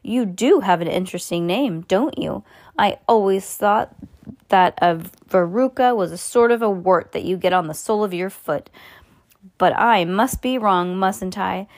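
A woman voicing an exuberant, fussily polite, eccentric little man who owns a chocolate factory, with effusive exclamations, as in a storybook reading. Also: close to an everyday voice. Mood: effusive, delighted. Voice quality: high and fluty. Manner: effusive, quick-fire exclamations and pleasantries.

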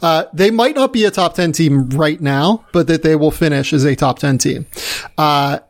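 A man's voice: fairly high pitch, moderate pace. A man hosting a sports podcast in casual, conversational chat.

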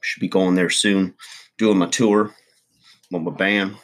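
A man's voice: deep voice, level tone, takes it slowly, a bit bright. A man playing a crude, boastful middle-aged redneck uncle, rambling folksy advice in a comedy monologue.

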